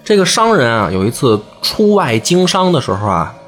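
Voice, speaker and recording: Man, comic storyteller, very lively pitch, laughs often, faint music. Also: normal speed. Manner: animated, laughing, jumps into voices. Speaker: podcast storyteller. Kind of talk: comic retelling of a folk tale.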